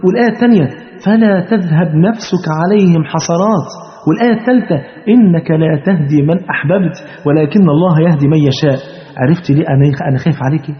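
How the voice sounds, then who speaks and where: Egyptian male preacher, earnest and direct, rattling through his sermon at high speed, recorded in a long-reverb hall on dull, lo-fi audio. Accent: Egyptian Arabic. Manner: earnest, direct, full of rhetorical questions to the listener. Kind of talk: sermon addressed to a repentant woman.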